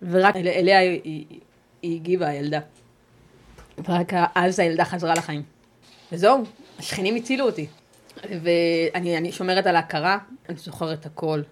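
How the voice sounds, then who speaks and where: A woman with a somewhat low-pitched voice gives personal testimony as a guest on an interview podcast. Her delivery is measured and halting, broken by pauses and restarts as she searches for words. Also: a little hiss or hum.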